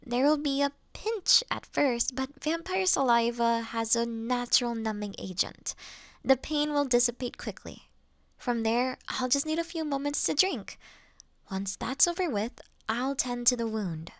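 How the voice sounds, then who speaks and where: A woman playing a polite, reassuring vampire who looks like a child, speaking gently to the listener in an audio roleplay. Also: a little high, unhurried, no room sound, clean studio sound. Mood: reassuring, businesslike. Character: childlike-looking ancient female vampire, polite, reassuring, mildly wry.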